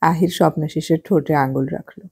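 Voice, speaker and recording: A woman's voice: deep voice, fairly even intonation, brisk, dark tone, husky. A woman reading a novel aloud as an audiobook narrator, shifting her voice for each character's dialogue.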